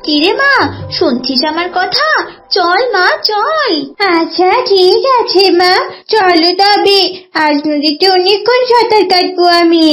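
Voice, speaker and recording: A woman voicing gentle, motherly talking animals in a children's cartoon, with an expressive sing-song delivery. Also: very high voice, slow pace, heavily acted. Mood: tender.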